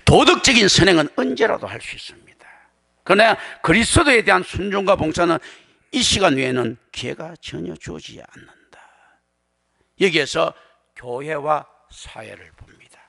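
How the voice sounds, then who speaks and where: Pastor preaching, high lively voice, gravelly and husky, loud then whispery. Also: male voice, moderate pace. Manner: dramatic, colloquial, swings from loud to hushed whispers. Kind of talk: sermon.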